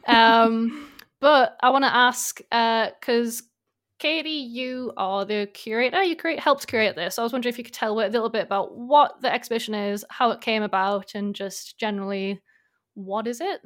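A woman's voice: fairly high pitch, moderate pace, a bit bright. A woman hosting a casual chat, bubbly and laughing often. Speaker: podcast host.

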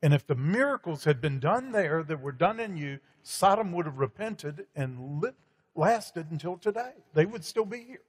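A man's voice: a little high, animated, moderate pace, breathy edge. A man talking in a preacherly, emphatic way with many fillers. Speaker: guest speaker. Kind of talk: conversational preaching. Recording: hall reverb.

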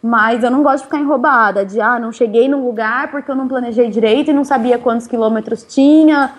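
Woman, touring cyclist, interviewee; casual and chatty, laughs easily, slightly high voice. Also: fast talker. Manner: chatty, laughs often, relaxed slang.

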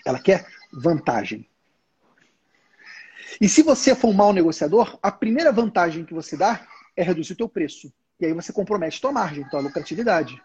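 A man's voice: high-pitched, very animated, normal speed, a little mellow, slightly rough. A man hosting a live stream, teaching in a casual, informal way and talking straight to his viewers, acting out bits of salesman dialogue along the way. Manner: informal, addresses the audience directly, acts out salesman dialogue. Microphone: headset.

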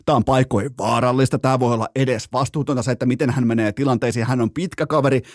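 A man's voice: medium pitch, steady tone, no echo, studio quality. A man hosting a sports podcast, rambling through hockey news in a joking, casual way with mild swearing.

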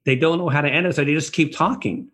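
A middle-aged man with a husky, slightly breathy voice, speaking as a podcast guest. He talks in a reflective, meandering way, circling back and restarting his thoughts as he goes. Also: fairly high pitch, quick pace, a bit bright. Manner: rambling, reflective storytelling with restarts. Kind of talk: conversational podcast interview. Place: Los Angeles area.

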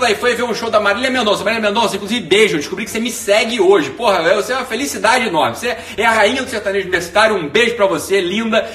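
A Brazilian man ranting to his followers in a casual monologue, profane and animated. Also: sits high. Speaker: online course teacher. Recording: echoey room, voice far from mic.

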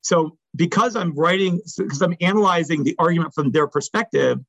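A man's voice: a little high, a little fast, vocal fry, a bit bright, no room sound, low-quality recording. A man speaking as an academic, answering audience questions after a talk in an explanatory, hedging way that often checks in with the listeners.

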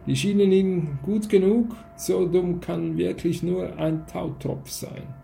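A man's voice: sits high, fairly even intonation, slow pace, gravelly, warm tone, faint music behind, voice pushed up, full character voice. A man reading a cold, scornful official. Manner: scolding, condescending, growling. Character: stern, cold male official of a drugged state.

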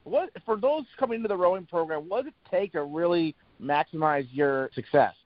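A man's voice: fairly high pitch, lively intonation, fairly quick, dry recording. A man hosting a college sports podcast, asking his guests questions in a conversational way. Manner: conversational, leads with recollections. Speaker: podcast host. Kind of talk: interview questions. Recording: dull lo-fi audio.

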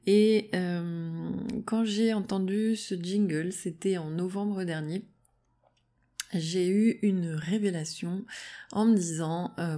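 A woman's voice: lowish voice, vocal fry, mellow. A woman hosting her own podcast as a naturopath, talking casually with many fillers and restarts. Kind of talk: casual solo podcast talk.

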